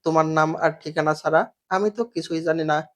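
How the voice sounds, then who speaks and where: A man voicing a young woman factory worker, guarded and quick-tempered, who answers in sharp bursts. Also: on the high side, close to an everyday voice.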